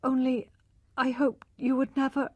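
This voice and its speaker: Rich: A humble, despairing young wife who pleads in a high, trembling voice, as a woman reader puts her on. She speaks slowly. The sound is dry and close. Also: completely flat delivery, a little mellow, no room sound. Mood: pleading.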